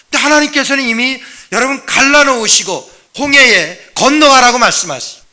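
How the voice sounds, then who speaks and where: A man's voice: very high-pitched, brisk. A male pastor preaching a sermon, emphatic and questioning, often addressing the congregation directly and answering his own questions. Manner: drops to a quiet, rambling aside when telling a personal story.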